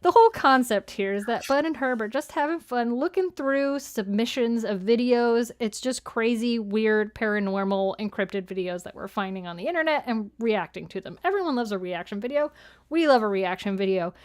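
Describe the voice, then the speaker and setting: A woman's voice: fairly high pitch, animated, normal speed. A woman chatting casually as co-host of a podcast live show, with a playful, self-deprecating, bantering manner. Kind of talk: casual chat, announcing channel updates.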